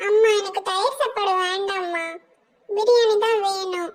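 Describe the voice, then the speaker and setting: A woman's voice: very high voice, steady tone, moderate pace. A woman voicing a stubborn little cartoon boy who whines and sobs for the food he wants. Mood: whining. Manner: whining and sobbing, demanding. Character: small whiny little boy, stubborn crybaby.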